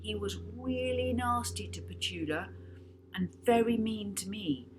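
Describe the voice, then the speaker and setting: A woman's voice: mid-range voice, a little slow, background noise, voice pushed up, lightly acted. A woman voicing a bossy girl with a blunt, scornful way of speaking. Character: bossy, sharp-tongued girl.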